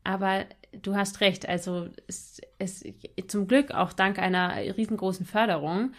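Woman musician chatting on a podcast, informal and into it, medium pitched voice. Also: unhurried. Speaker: musician guest. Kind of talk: casual podcast interview.

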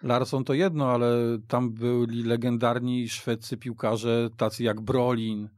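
A man's voice: medium pitch, flat delivery, unhurried, a little mellow, no room sound. A man talking football as a radio studio guest, searching for words and often restarting his sentences as he goes on at length. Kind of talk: casual sports discussion.

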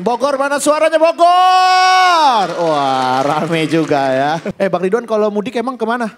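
A man's voice: very high voice, sing-song, measured pace. A man hosting a live stage show, addressing the audience and the guests. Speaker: show host. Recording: loud audience, noisy live hall.

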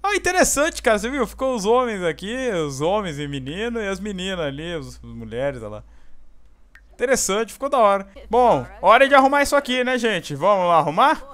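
Um jovem brasileiro narrando uma partida com gírias, bronqueando os personagens com empolgação. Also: male voice, sits high, brisk. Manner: excitable, scolding the characters, slangy. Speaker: gameplay host. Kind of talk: casual gameplay commentary.

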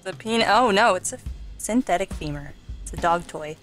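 A woman's voice: lowish voice, expressive, moderate pace, a bit bright, faint music behind. A woman hosting a let's play with casual gaming commentary.

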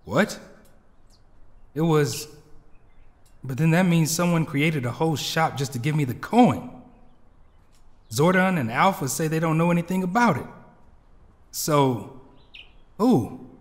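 A man's voice: a little high, lively intonation, unhurried, pauses often. A man playing an easygoing, cocky teenage boy hero in an audio drama, with a reverberant sound. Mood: puzzled.

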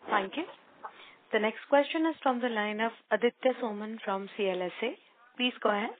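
A woman's voice: fairly high pitch, brisk. A woman working as conference call operator, introducing callers in a scripted style. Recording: narrow telephone line.

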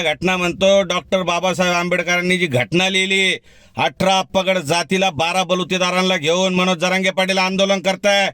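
A man's voice: high-pitched, a bit bright, clean tone, dry recording, clean studio sound. A man, an activist giving a heated, defiant rebuttal straight to the camera. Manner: defiant, heated, direct address. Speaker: community activist. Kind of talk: fiery video rebuttal.

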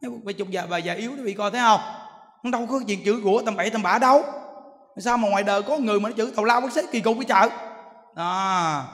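A male monk giving a lively sermon, telling stories with laughter and mimicking voices. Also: high voice, quick pace. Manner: animated storytelling, laughing, mimicking others. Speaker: monk giving a dharma talk. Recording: long hall reverb, faint background noise.

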